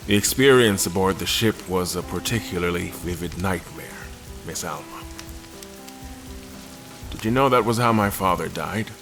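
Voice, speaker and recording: A low male voice plays a world-weary admiral in an audio drama. He recounts a haunting ordeal with formal, measured courtesy over faint music. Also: fairly bright tone. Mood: somber. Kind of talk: first-person audio drama narration with dialogue.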